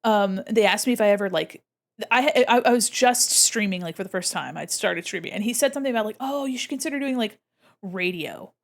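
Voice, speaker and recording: A woman's voice: medium pitch, fast talker, creaky. A young woman streaming her drawing live, chatting playfully with viewers and giggling often. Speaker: VTuber art streamer. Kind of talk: casual live-stream chat while drawing.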